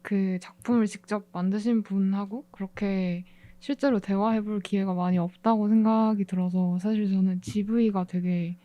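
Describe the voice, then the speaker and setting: A woman's voice: mid-range voice, steady tone, normal speed, mellow. A woman talking casually as a guest animation director in an interview.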